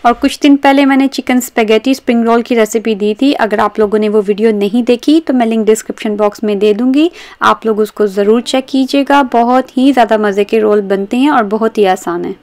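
A woman's voice: fairly high pitch, a little fast, darkish tone. A woman hosting a recipe video in voice-over, explaining step by step and addressing viewers directly. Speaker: cooking show host.

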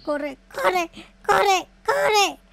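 A man's voice: very high voice, sing-song, extremely slow, creaky, sharp tone, no echo, full character voice. A man voicing a panicky, whiny, foul-mouthed young noob boy in improvised video game roleplay, exclaiming frantically and repeating himself. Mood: panicked.

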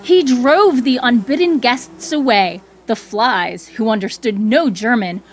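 A woman host reading scripted storybook narration in a clear storytelling delivery. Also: on the high side, unhurried.

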